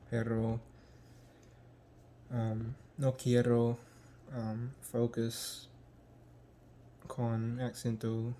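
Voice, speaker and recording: A young American man from the United States, talking casually in a vlog and haltingly searching for words with many ums. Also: medium pitch, dark tone, slight background noise. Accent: American English. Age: young adult. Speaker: language learner.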